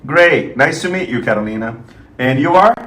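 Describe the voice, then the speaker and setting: A man voicing an English teacher in a scripted course dialogue, speaking clearly in a slow textbook delivery. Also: medium pitch, expressive, fairly bright tone, rough recording. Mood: friendly. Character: adult male English teacher greeting a class.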